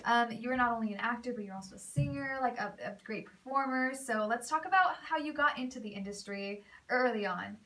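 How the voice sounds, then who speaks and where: A woman's voice: a little high, fairly quick, hardly any pauses, a bit bright, recorded from a distance. A young woman hosting a studio interview, upbeat and encouraging, with lots of "mm-hmm"s. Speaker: host. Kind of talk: interview host.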